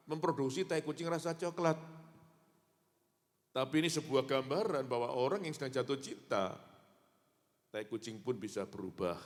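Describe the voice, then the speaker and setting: Pastor in a reverberant hall. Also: male voice, medium pitch. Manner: animated storytelling preacher, acts out dialogue, calls to the congregation. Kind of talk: sermon. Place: church hall. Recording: long church hall reverb.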